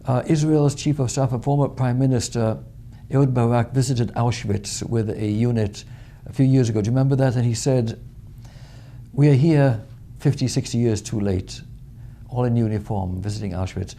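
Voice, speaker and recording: Male TV interviewer, dark gravelly tone, measured questions. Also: mid-range voice, slight background noise. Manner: measured, poses long framing questions. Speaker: TV show host.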